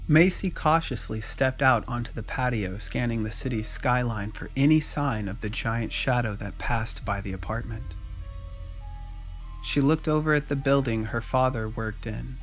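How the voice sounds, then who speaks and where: Male narrator for scripted dramatic fiction; mid-range pitch, music bed underneath. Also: normal speed.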